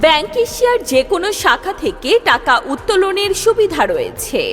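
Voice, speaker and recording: A woman reading a street loudspeaker advertisement in a lively, declamatory announcing manner. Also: extremely high pitch, fairly quick. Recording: long reverb with music bed. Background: music.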